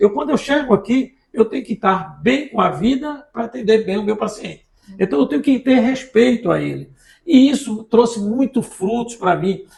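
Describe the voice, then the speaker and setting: Here a man speaks with a northeastern Brazilian accent. His pitch is high. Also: ordinary pitch variation, moderate pace. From Vitória de Santo Antão, Pernambuco, Brazil. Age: 70s. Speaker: orthopedic surgeon. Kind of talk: interview answer.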